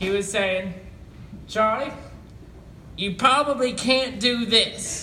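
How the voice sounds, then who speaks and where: A man's raised, projected voice at a fairly slow pace, with ordinary pitch variation and audible room echo. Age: young. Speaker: motivational speaker. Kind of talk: motivational speech. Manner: halting.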